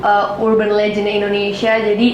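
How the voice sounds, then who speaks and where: A woman's voice: mid-range voice, completely flat delivery, brisk, lo-fi sound. A young woman, the lead actress, chatting earnestly in a promotional interview. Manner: earnest, loses her train of thought and laughs. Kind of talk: casual chat. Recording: echoey room with clear noise.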